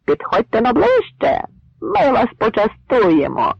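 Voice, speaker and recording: A man voicing hostile Polish soldiers who shout scornful threats with a harsh, metallic ring. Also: very high voice, wildly swooping pitch, measured pace, creaky, husky, no echo, dull audio, pitched above the performer's own voice, exaggerated voice.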